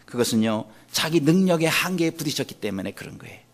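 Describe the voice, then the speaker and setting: A man's voice: fairly high pitch, lively intonation, fast. A male pastor preaching a sermon, asking the congregation questions and voicing anguished quoted pleas.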